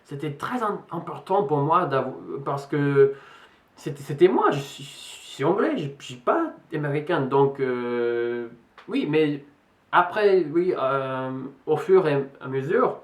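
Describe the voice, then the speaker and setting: A man's voice: on the high side, very animated, slow pace. A young Englishman with an English accent that carries a slight American tinge. He speaks French as a learner in a casual vlog, hesitating with many fillers and restarts. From England. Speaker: vlogger. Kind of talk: casual vlog talk to camera. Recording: roomy echo.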